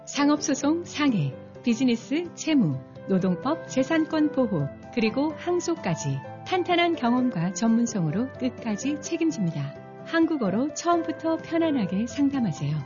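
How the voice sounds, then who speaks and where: A female announcer with a lively, slightly high voice, reading commercials persuasively. Music plays clearly behind her on a dull, lo-fi broadcast. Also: normal speed, hardly any pauses. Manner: smooth, persuasive. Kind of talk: radio commercial read. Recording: lo-fi radio ad over music.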